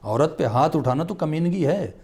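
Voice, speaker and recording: A man's voice: fairly high pitch, animated, a little mellow. A man on a studio talk show, explaining marriage advice in an earnest, emphatic way. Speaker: religious scholar guest.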